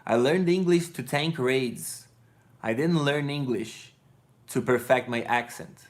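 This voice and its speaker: A man's voice: mid-range voice, slow pace. Sleepy Brazilian man rambling on stream. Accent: Brazilian Portuguese. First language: Portuguese. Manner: loose, digressive, self-correcting, blunt. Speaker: streamer answering chat. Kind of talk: rambling live-stream chat. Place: living room with couch and colored lights.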